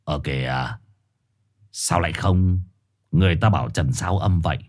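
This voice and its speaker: Man voicing a hoarse street dog, raspy, deep, muttering, bossy storybook bully. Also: normal speed, a little mellow, natural voice. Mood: low, conspiratorial. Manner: growling, rough, condescending. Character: gruff streetwise male black four-eyed dog, bossy.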